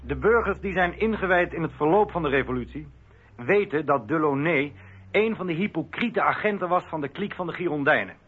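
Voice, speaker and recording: An actor playing a contemptuous revolutionary accuser denouncing traitors in a radio play. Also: male voice, a little high, expressive, a little fast, husky. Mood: scornful, accusing. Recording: thin phone-like radio recording.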